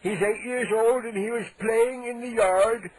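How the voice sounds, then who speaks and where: A man's voice: very high-pitched, steady tone, unhurried, crowd noise, poor audio. A man playing a cranky, indignant 87-year-old neighbor on a prank call, making blustering threats with mock-polite outrage. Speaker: prank caller.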